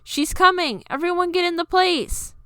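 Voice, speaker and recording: An excitable, loud teenager from an audio story, acted by a woman reader. The voice jumps up high and exclaims with energy, in a very dry recording. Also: moderate pace, no echo. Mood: excited.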